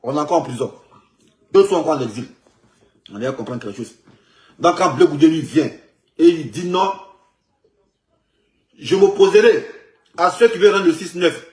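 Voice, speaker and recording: A man, commenting on politics in an animated, rambling way, with many repetitions and stumbling restarts. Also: fairly high pitch, moderate pace, long pauses. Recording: echoey room.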